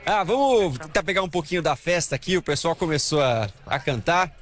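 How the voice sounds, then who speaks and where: A young Brazilian man with a somewhat high voice reports live from outside a football stadium on a handheld mic. He talks in a chatty, lively manner, constantly turning to the anchor by name. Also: a little fast. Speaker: field reporter. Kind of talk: live news report from the field.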